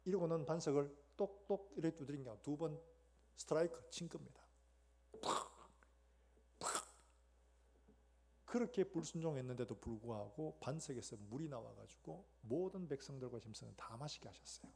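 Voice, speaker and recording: A man's voice: a little high, animated, brisk, vocal fry, mellow, husky. A man preaching a sermon as pastor, with a Gyeongsang accent, who asks the congregation questions and acts out scenes.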